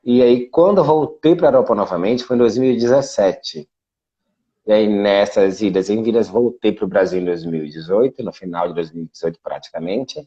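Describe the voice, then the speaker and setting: A man's voice: on the low side, moderate pace, dark tone, husky, highs cut off. A Brazilian man from Salvador, a guest in a casual video interview, explaining at length with frequent fillers. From Brazil (Salvador, Bahia). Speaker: guest, international relations specialist. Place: Portugal.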